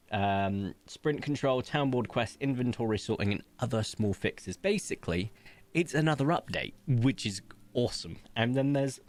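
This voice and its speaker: A man hosting a casual let's-play, chatty and upbeat, rambling and laughing often at his PC desk mic. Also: fairly low pitch. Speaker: gaming channel host.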